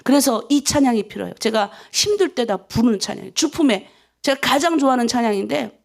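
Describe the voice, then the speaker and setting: High, gravelly-voiced woman pastor preaching. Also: lively intonation, fast. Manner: emotional storytelling, acts out prayers to God. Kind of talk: dawn prayer sermon.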